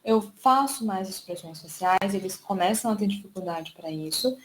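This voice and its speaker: A woman with a Brazilian Portuguese accent, a speech therapist giving an online lecture and drawing out key words slowly to explain them. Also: mid-range voice, lively intonation, slight background noise, rough recording.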